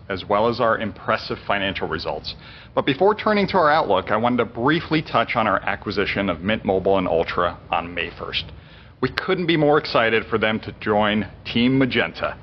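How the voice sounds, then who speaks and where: A man's voice: on the low side, lo-fi sound, a little hiss or hum. A man reading a scripted financial presentation as a company executive on an earnings call.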